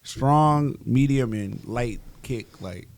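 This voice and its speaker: A man's voice: mid-range voice, takes it slowly, a little mellow. A man in his fifties, a comedian guest, chatting loosely on a podcast, joking and swearing freely. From Bronx, New York. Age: 50s. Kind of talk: casual podcast chat.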